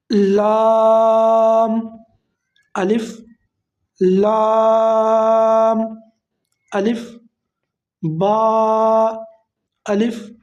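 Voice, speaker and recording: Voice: mid-range voice, dark tone. Patient Quran teacher drawing out letters. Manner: patient step-by-step explaining; draws out each recited letter slowly. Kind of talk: online reading lesson.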